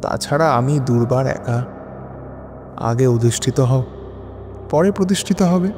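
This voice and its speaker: A man playing a lonely, brooding widower, narrating his haunted memories in an introspective, theatrical audio drama style with rhetorical pauses. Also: mid-range voice, lively intonation, darkish tone, natural voice. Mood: uneasy, reflective. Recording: long reverb, music bed underneath.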